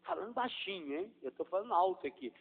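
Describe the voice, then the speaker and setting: Priest giving a sermon, kinda high voice, goes quiet then loud, sounds tinny like a phone, big echo. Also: male voice, quick pace. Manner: animated preaching that swings from hushed demonstration to loud emphasis. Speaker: Catholic priest. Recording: echoey hall over a tinny, phone-like line.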